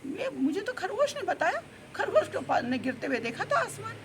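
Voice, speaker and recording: A woman voicing an excitable, gullible female fox with high exclamations. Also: normal speed, heavily acted. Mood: pleading. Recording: noisy background.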